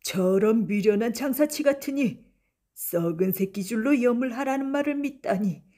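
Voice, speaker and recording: Callous mountain bandit husband voiced by a female narrator, mocking, theatrical, pitched up, storybook villain. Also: animated, normal speed, mellow. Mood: mocking glee. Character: gloating, callous male mountain robber, the husband.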